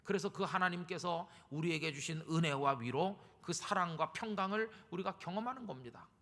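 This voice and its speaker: Male pastor, sermon, fairly high gravelly voice, church reverb. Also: brisk, pushed and bright. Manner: emphatic, rising to fervent appeals. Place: church sanctuary.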